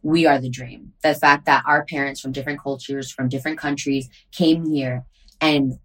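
Deep-voiced lady hosting a podcast chat, earnest, lots of "like". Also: steady tone, normal speed. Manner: earnest and reflective, with many "like" fillers. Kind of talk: casual chat.

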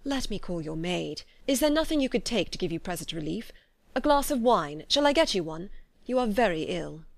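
A woman voicing a courteous gentleman from a period novel, earnest, formal and full of concern. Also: mid-range voice, animated, quick pace, dry recording, lightly acted. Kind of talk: dramatic audiobook character acting.

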